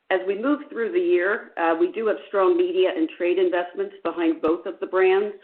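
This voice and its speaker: A woman executive speaks in a low register, answering business questions on a conference call. The sound is narrow and phone-like. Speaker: company executive on an earnings call. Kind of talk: business answers, semi-scripted.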